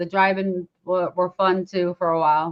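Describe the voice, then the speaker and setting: An ordinary speaking voice, a woman with an American accent talks at a moderate pace and medium pitch, her intonation fairly even. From New York City. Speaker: interviewer. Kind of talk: interview.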